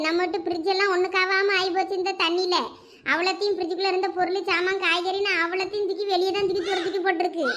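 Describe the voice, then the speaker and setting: A performer voicing a patient young wife, cartoon, Thoothukudi Tamil accent, persuasive, very high voice. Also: a bit bright. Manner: coaxing, persuasive. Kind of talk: cartoon voice acting.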